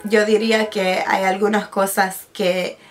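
A chatty young woman in her twenties vlogs about beauty at home, sitting at the vanity desk in her bedroom with a camera in front at medium distance. Her first language is Spanish, but she now mainly speaks English, restarting often and slipping in English words. Her medium-pitched voice is flat and a little slow, with faint music behind.

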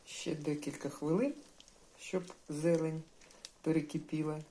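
A woman narrating a casual cooking vlog from her home kitchen, thinking aloud step by step at an unhurried pace. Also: sits low, fairly even intonation, dark tone. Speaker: home cook, channel host. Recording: kitchen cooking noise behind voice. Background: sizzling frying pan.

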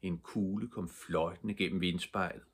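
An older man reads a children's book aloud as a bedtime story. His voice is deep and husky. He narrates calmly and evenly. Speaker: storybook reader.

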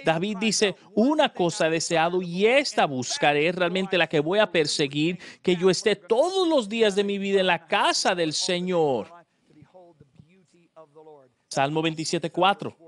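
Emphatic high-voiced male preacher. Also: lively intonation, measured pace. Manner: emphatic, asks the congregation questions; dramatizes prayers and dialogues in a raised voice. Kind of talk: sermon.

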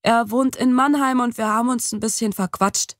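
A woman's voice: fairly high pitch, steady tone, moderate pace, no room sound, pitched above the performer's own voice, lightly acted. A woman voicing a fidgety young man who explains too much. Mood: explaining. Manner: hesitant, then explaining at length. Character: young man, nervous know-it-all friend. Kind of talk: audiobook dialogue reading. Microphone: close studio mic. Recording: dry studio.

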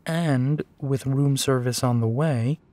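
A man's voice: mid-range voice, slow, warm tone, close to an everyday voice. A man playing a tired, teasing werewolf detective in an intimate audio roleplay. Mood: relaxed tired.

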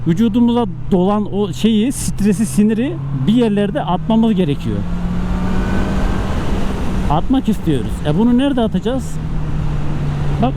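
Higher-voiced man talking inside a helmet. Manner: conversational, explaining himself with rhetorical questions; speaking inside a helmet while riding a motorcycle. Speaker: motovlogger. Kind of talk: casual vlog monologue while riding. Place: outdoors on city roads, riding a motorcycle. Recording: helmet mic with motorcycle and traffic noise. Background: engine, vehicle and traffic noise.

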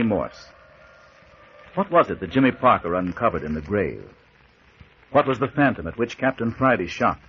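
A man announcing a mystery serial in a dramatic, scripted 1940s radio style. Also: mid-range voice. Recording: dull, noisy old radio recording.

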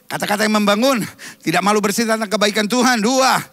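A high-voiced man preaches with gravelly, bright force into a close microphone. His voice sounds a little strained from coughing, and he swings between joking asides and sudden shouts. The sound is dry. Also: quick pace, dry recording. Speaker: pastor. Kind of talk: sermon. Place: church stage.

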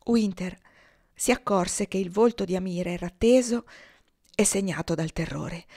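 A woman's voice: fairly low pitch, dry recording, studio quality. Woman reading a novel aloud. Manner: measured, expressive narration. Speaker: audiobook narrator.

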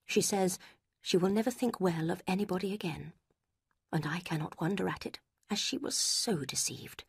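A woman voicing a pompous, self-satisfied gentleman who speaks gravely in a low, hushed half-whisper. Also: moderate pace, exaggerated voice. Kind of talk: audiobook character reading.

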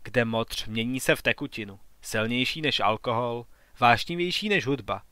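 A man narrating a science fiction audiobook story, reading every character's lines in an even, unhurried voice. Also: medium pitch, dry recording. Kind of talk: scripted narration.

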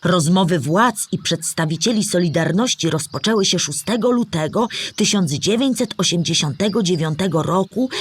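A woman's voice: lowish voice, husky. A woman playing a storyteller who explains history to a child in a scripted children's audio play.

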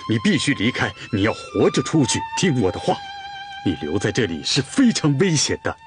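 A dutiful young Torghut herder in a television period drama, stern yet tender. His mid-pitched voice swings widely between firm scolding and gentle comfort, with a soft music score underneath. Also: wildly swooping pitch, normal speed. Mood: urgent. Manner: scolds firmly, then soothes gently. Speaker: Torghut herder tending the khan's horses. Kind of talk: television costume drama dialogue.

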